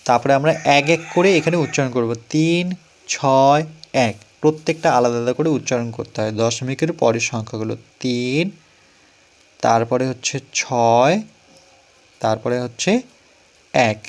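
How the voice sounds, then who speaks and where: Working through a school math problem one step at a time, a man with a mid-range voice repeats each number slowly. He asks his students questions, then supplies the answers on his own.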